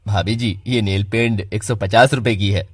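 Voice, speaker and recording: A man's voice: lowish voice, steady tone, moderate pace, a little hiss or hum, close to an everyday voice. A man voicing a shopkeeper in a cartoon story, rude to one customer and fawning to another. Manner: polite to rich clients, dismissive to poor. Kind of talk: cartoon voice acting.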